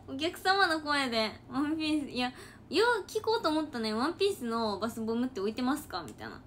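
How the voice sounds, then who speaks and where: A woman's voice: high voice, wildly swooping pitch, normal speed, fairly bright tone, a little hiss or hum. Giggly Kansai woman, sleepy late-night stream. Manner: chatty, giggly, loose and rambling. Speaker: idol trainee livestreaming. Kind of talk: casual late-night livestream chat reading comments.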